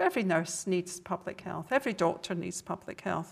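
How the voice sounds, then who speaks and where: A woman speaks with a Scottish accent. Her pace is moderate, and her pitch varies in an ordinary way. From Scotland. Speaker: public health professor giving lecture. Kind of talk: public lecture. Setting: live lecture with audience.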